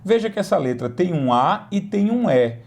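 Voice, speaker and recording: A man teaching an English lesson, with slow, drawn-out model pronunciations between quick explanations. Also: high voice, big pitch swings, vocal fry, a little mellow. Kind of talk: lively language lesson.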